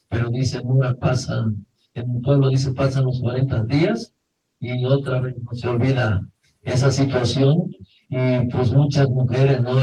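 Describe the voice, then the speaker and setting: A man telling a personal story in a group circle, halting and reflective with pauses and restarts. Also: mid-range voice, warm tone. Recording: roomy, from far off the mic.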